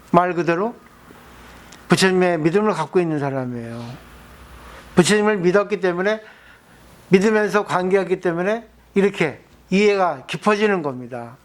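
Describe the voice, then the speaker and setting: High-voiced monk giving a patient dharma talk. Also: male voice. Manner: explains patiently, asks listeners rhetorical questions. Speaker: Buddhist monk.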